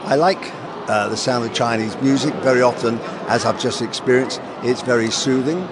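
A man's voice: mid-range voice, fairly even intonation, moderate pace. A man interviewed outdoors, speaking hesitantly and repeating himself. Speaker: festival visitor. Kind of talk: street vox pop. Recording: street noise behind.

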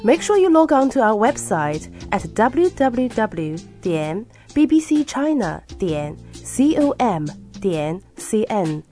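Lively-pitched woman teaching vocabulary. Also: slow, few pauses, soft background music. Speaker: co-host explaining words in Chinese. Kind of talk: scripted bilingual lesson presenting.

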